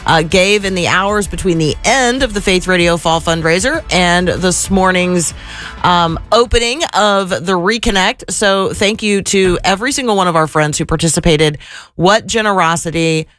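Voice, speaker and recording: Woman, radio host, slightly gravelly voice, chatty, effusive, fillers and restarts, dry studio mic. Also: lowish voice, moderate pace, a bit bright, no echo, soft background music. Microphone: studio microphone.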